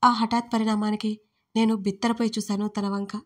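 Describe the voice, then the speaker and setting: A woman storyteller reading a first-person audio story in a steady, earnest way. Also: mid-range voice, brisk. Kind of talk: scripted first-person narration.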